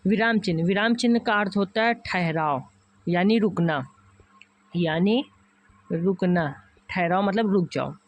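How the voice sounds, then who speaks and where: A man's voice: high-pitched, moderate pace, muffled recording. A man teaching an online exam-prep class with a north Indian Hindi accent, calling his viewers friends and going through each option patiently and repeatedly.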